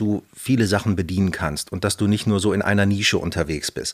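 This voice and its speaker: This man's voice sits fairly low, with ordinary pitch variation and a moderate pace. The recording is very clean and dry, close-miked with no echo over a silent background. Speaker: voice actor and narrator. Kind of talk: casual chat. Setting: studio.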